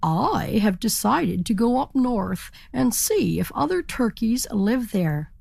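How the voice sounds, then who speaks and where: A woman voicing a proud but naive male turkey, speaking slowly in a high, wondering, pleading way. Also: big pitch swings, vocal fry, a little mellow, no echo, exaggerated voice. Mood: earnest.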